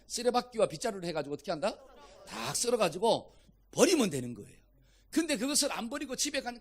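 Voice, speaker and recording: A male pastor preaching an interactive sermon, asking the congregation questions and shouting commands at demons. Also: sits high. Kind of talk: interactive sermon with call-and-response.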